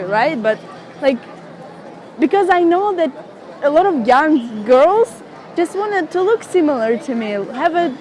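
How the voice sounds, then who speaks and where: A young woman from Russia talks in English with a clear Russian accent, her voice pitched high. She speaks emotionally, with lots of fillers and restarts. The chat is recorded outdoors on a city street, with a faint crowd murmuring in the background. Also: darkish tone. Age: young adult. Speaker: interviewee, model and blogger. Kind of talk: casual interview chat.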